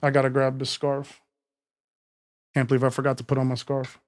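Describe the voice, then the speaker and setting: A man's voice: mid-range voice, monotone, brisk, darkish tone. A man hosting a casual podcast conversation who speaks earnestly, often hesitates with fillers, and answers with short affirmations. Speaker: podcast host.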